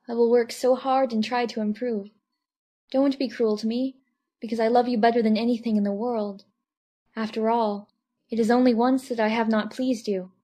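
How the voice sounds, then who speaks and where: A man's voice: extremely high pitch, flat delivery, moderate pace, warm tone, voice pushed up. A man voicing a lovesick young actress in a storybook reading, desperate and devoted, pleading breathlessly. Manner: imploring, repetitive, breathless pleading.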